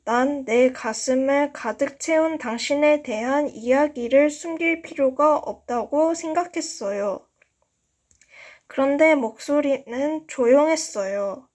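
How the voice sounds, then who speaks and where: A high-pitched woman reads a story aloud at an unhurried pace. She is an amateur narrator who takes care over each sentence. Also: darkish tone. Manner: slow, careful reading with stumbles. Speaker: amateur audiobook reader. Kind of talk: reading a novel aloud.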